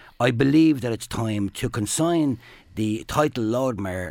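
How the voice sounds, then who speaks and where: On a very clean recording with a silent background, a man with a Dublin accent speaks at medium pitch and a fairly slow pace with lively intonation. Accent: Dublin Irish. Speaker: city councillor. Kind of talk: radio interview.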